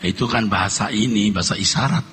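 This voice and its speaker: A man voicing a sheepish husband who mumbles evasive excuses to his wife, in a low, muttered voice, inside a sermon. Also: fast, fairly bright tone, a little hiss or hum, close to an everyday voice.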